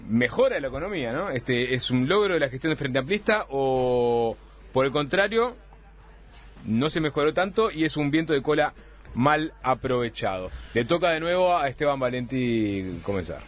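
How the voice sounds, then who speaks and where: A man hosting a radio debate, briskly introducing guests and topics. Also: mid-range voice, lively intonation. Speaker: host.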